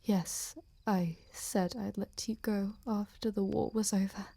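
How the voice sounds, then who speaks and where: A woman playing an obsessed, cruel ice queen general in a dramatic audio roleplay, halting and intense, often breathy. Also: medium pitch, steady tone, mellow. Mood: hurt, quiet.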